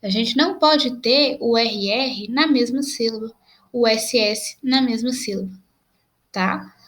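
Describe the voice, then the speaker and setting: A young adult woman teacher with a Brazilian Portuguese accent, patiently explaining grammar in a video lesson and slowly spelling out examples. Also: a little high, fairly bright tone.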